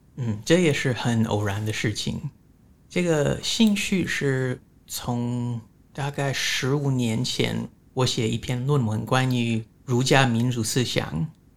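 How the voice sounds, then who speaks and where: A man with an English accent speaks at a very slow pace, with ordinary pitch variation. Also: medium pitch for a man. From United States. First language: English (speaking Chinese). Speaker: philosophy professor. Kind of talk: interview.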